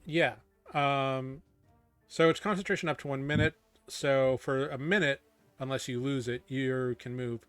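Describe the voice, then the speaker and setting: Male game master narrating, mid-pitched. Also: steady tone, unhurried, fairly bright tone, smooth, dry recording, soft background music. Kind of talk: casual tabletop game narration.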